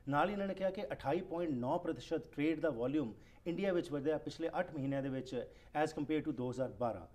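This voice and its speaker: A male talk show host who talks very fast in a mellow, warm tone, his voice a little higher than most men's. He strings long questions together and keeps agreeing eagerly with his guest. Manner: rapid, eager, many affirming backchannels. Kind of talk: interview questions and bilingual recap.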